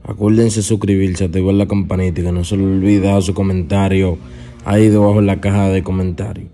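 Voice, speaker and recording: A man with a Dominican accent hosting a YouTube channel, giving casual urban gossip news in colloquial street slang, halting and repeating himself. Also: low voice, little pitch movement, mellow, a little hiss or hum.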